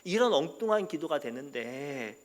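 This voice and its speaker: A man preaching a sermon as pastor, animated and sometimes shouting. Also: a little high, normal speed. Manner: animated, acts out quoted voices and sometimes shouts.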